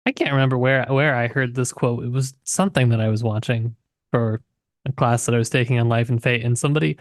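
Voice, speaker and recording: A man's voice: medium pitch, fairly even intonation, fast talker, dry recording, clean studio sound. A man co-hosting a podcast, casually discussing literature and tentatively thinking aloud as he goes. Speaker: podcast co-host.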